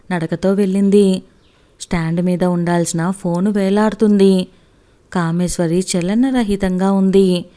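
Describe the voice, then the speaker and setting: A woman reading a family story aloud, lifting her voice for anxious questions in the dialogue. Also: mellow. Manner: lifts pitch sharply for anxious questions in dialogue.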